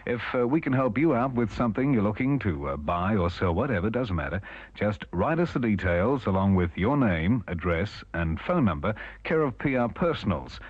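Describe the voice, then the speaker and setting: A man's voice: on the low side, very animated, normal speed, breathy edge, no echo, lo-fi sound. A man doing casual, ad-libbed radio announcing on a 1970s aircheck.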